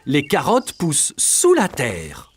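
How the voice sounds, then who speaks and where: A warm cartoon father, talks patiently and encouragingly as if to a small child. His melody swings very widely and his pace is slow, with music underneath. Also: on the high side, huge pitch swings, full character voice. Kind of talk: children's cartoon dub acting. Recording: music behind the voice.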